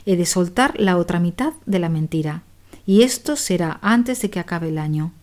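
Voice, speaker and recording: A woman's voice: lowish voice, lively intonation, normal speed, a little mellow, close to an everyday voice. A woman voicing a defiant male slave who stands up to his master in an audiobook tale. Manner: bold, defiant. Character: cunning male slave who lies once a year.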